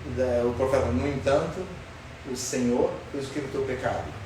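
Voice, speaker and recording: A man teaches a Sunday school Bible lesson, questioning his class emphatically in a brisk, medium-pitched voice. The recording sounds roomy and distant, with faint noise.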